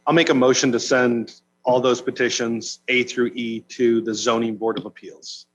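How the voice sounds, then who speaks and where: A man's voice: medium pitch, level tone, moderate pace, fairly bright tone, rough recording. A man on a county committee, speaking offhand and making motions in a meeting. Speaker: committee member. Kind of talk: meeting discussion.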